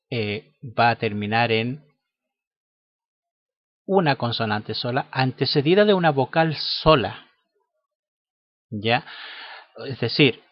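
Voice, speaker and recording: A man's voice: mid-range voice, no echo, dull audio. A man teaching a lesson, explaining patiently and often checking in with his students. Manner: slow, patient, checks in with "¿cierto?" and "¿ya?". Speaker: English teacher.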